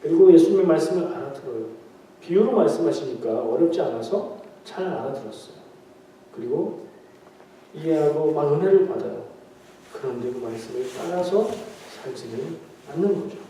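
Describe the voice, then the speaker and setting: At a midweek prayer meeting in a church sanctuary, a man preaches casually, joking with the congregation and asking them questions. His fairly high, mellow voice has lively intonation and a moderate pace. Expect slight background noise, heavy hall echo and a distant microphone.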